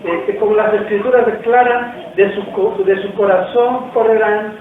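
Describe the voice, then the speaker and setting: A pastor with a high voice preaches a sermon in a church hall, speaking casually at a normal speed with fairly even intonation and putting questions to the congregation. The recording sounds distant, echoey and tinny, with faint noise.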